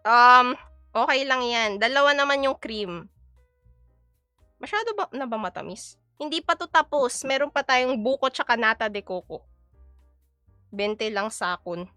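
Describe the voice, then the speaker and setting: A woman's voice: fairly high pitch, pushed and bright, no echo. A young woman from the Philippines chatting playfully and giggling on a casual cooking live stream.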